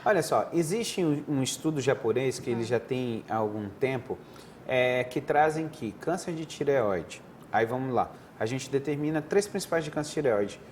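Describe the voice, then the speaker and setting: Seated at a TV studio desk, a Brazilian head and neck surgeon from the country's Northeast explains things conversationally, like a teacher, frequently restarting sentences as he answers questions. He has an expressive, mid-range voice with a darkish tone at normal speed, and there is slight background noise.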